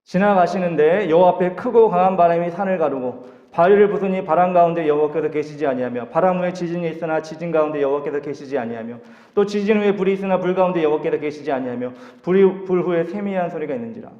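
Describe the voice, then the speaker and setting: A man preaching a sermon to a youth service, lively and acting out voices in dialogue. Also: fairly high pitch, fast, hardly any pauses. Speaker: youth pastor. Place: church sanctuary. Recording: echoey hall, dull lo-fi sound.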